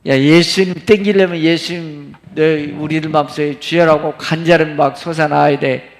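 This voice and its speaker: Pastor urging children to pray louder. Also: male voice, fairly high pitch, steady tone, normal speed, a little hiss or hum. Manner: coaxing, commanding the children to shout louder. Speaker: pastor leading prayer meeting. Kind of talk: leading a church prayer meeting. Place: church sanctuary.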